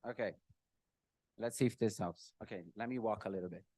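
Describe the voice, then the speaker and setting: A middle-aged Portuguese-speaking man from Brazil talks fairly quickly in a mellow, lowish voice with no echo. He's emotional as he delivers a personal birthday tribute full of jokes, often clearing his throat and joking at his own expense.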